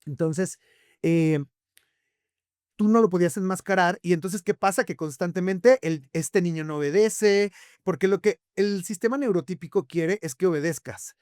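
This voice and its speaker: A man with a Mexican accent, a podcast guest, telling stories in a lively conversational way, full of rhetorical questions. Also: high voice, normal speed, clean tone, dry recording, clean studio sound. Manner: animated storyteller, rhetorical questions, frequent tag "¿no?".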